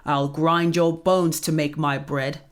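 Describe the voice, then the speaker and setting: A big bullying giant booms out his threats as a woman reads him aloud. He sounds a little distant from the mic and lower than the bright characters around him. It is a storybook giant, blunt and menacing. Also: flat delivery, slow pace.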